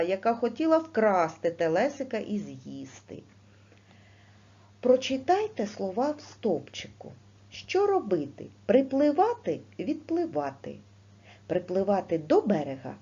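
A woman teaching a primary school lesson, speaking slowly and clearly with questions to the class. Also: mid-range voice. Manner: slow, clear teacher's delivery with lively rising questions. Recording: dull lo-fi recording.

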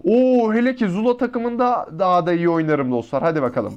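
A man with a high-pitched voice gives running live commentary over a mobile shooter match. He is excitable and slangy and keeps talking both to his teammates and to the people watching. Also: a little fast, smooth, lo-fi sound. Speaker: mobile shooter gameplay YouTuber.

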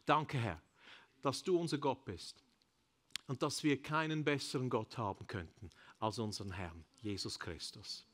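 A man with a Swiss German accent preaching a sermon in a church, rising to loud calls and dropping to quiet endings, slipping in English phrases. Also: medium pitch, measured pace. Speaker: pastor. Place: church service.

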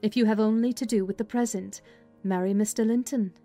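A woman's voice: medium pitch, steady tone, brisk, dark tone, close to an everyday voice. A woman voicing a sensible, skeptical servant woman in a dramatized audiobook, practical and chiding. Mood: dry, questioning. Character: sensible, skeptical servant woman advising her young mistress. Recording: music under the voice.

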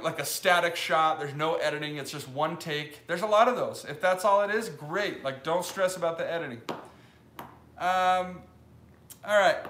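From his wooden-walled leather workshop, a young man live-streams and chats loosely, reading comments and rambling with lots of fillers. His voice is on the high side and fairly bright, with the roomy echo of the workshop around him.

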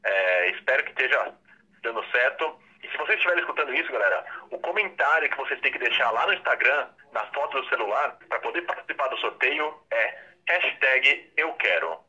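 A man's voice: mid-range voice, expressive, brisk, bright, forceful tone, slightly rough. A man with a Brazilian Portuguese accent, a tech vlogger talking casually to viewers, heard through a phone on speakerphone. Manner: casual, chatty. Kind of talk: casual vlog talk to viewers. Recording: tinny phone speaker sound.

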